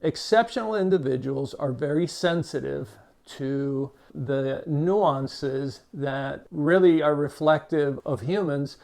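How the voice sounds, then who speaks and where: Measured older man with a Cuban-American accent. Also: a little high, gravelly, a little mellow. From Cuba, raised in Miami. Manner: measured, unhurried, with many "uh" fillers and small restarts. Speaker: behavior expert, channel host. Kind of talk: reflective talk to camera.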